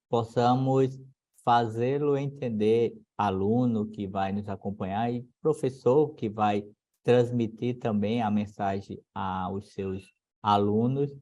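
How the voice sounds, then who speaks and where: A man with a Brazilian accent and a rather low voice speaks as a guest teacher. His phrasing is formal and devout, like a lesson's opening address. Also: darkish tone. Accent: Brazilian Portuguese. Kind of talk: church teaching podcast discussion.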